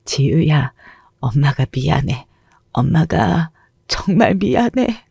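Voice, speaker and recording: A worn-down middle-aged mother, as a woman narrator plays her, sobbing out broken, slow apologies to her daughter. Her voice wavers as she cries. The recording is close and dry, with no room sound. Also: fairly low pitch, mellow, husky, no echo. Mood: tearful. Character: frail, tearful middle-aged mother, full of remorse.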